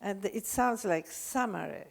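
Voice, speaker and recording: An older woman with a Polish accent, lecturing unscripted, halting often with fillers and restarts. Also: medium pitch, vocal fry. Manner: hesitant, many fillers and restarts.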